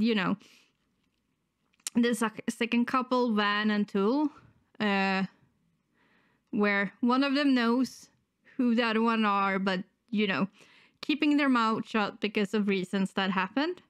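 Slow-talking woman, slightly wheezy with a cold. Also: fairly high pitch, smooth, dry recording. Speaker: reaction channel host. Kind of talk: casual chat to camera. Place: indoors, small room at home. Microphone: close desktop microphone.

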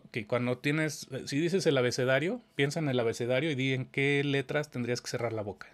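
A man talks through the details of dubbing sessions in a casual conversation. He explains patiently and keeps checking that his listener follows, his voice sitting at an ordinary middle pitch. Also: a little fast. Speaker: audio engineering teacher.

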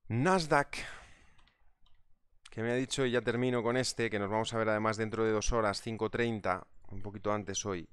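Chatty man, smooth low voice. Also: no echo. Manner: chatty, reads out viewer comments. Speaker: trading instructor. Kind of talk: live market analysis webinar.

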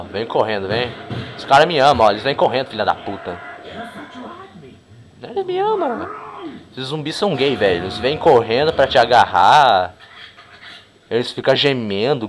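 A man giving casual, crude, joking commentary over a game he plays, breaking into excited shouts. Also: mid-range voice. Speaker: gameplay commentator.

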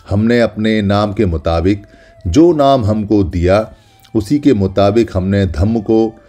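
In a lowish, warm voice, a man delivers solemn, scripted documentary voice-over in the first person, speaking as the ancient caves themselves. He deliberately lists names one by one.

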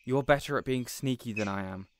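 A man's voice: medium pitch, a little fast, slight background noise, close to an everyday voice. A man playing a considerate, awkward supervillain boss in an audio roleplay, conversational and a bit hesitant. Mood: planning. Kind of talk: audio roleplay drama acting.

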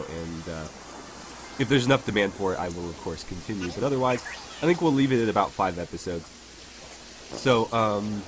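A man's voice: fairly low pitch, noisy background. A man hosting a let's play, casually thinking aloud with many fillers while he recovers from a lost voice. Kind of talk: casual gameplay commentary.

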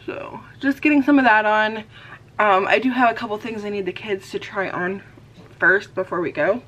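A woman's voice: mid-range voice, normal speed, fairly bright tone, muffled recording, slight background noise. A woman in her thirties chatting casually to a camera in her bedroom, rambling with many fillers while she puts on makeup. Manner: talks while putting on makeup. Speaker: vlogger. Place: bedroom at home. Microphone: camera on a desk in front of her.

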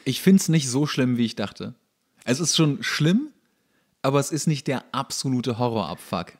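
A man's voice: mid-range voice, lively intonation, moderate pace. A man co-hosting a podcast, commenting on a TV show in a casual, wry and playful way. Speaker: podcast co-host.

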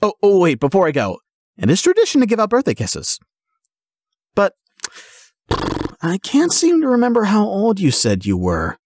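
A man's voice: sits high, normal speed, pauses often, dry recording, voice pushed up, full character voice. A man voicing an exuberant, affectionate young jock boyfriend in a playful, dramatic roleplay audio addressed to the listener. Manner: excitable, playful, theatrically dramatic.

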